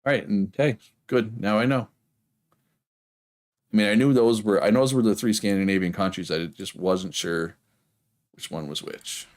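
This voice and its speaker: Man, low-pitched voice, Prince Edward Island Canadian accent, casual rambling livestream chat. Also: normal speed, pauses often. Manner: rambling, often checks with "right?". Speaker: game livestreamer.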